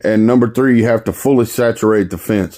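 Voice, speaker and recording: A man with a Texan accent speaks in a dark, mellow tone at a medium pitch. He talks at a fairly quick pace with fairly even intonation. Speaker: fence staining contractor. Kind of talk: tutorial. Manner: halting, many fillers; casual, unscripted.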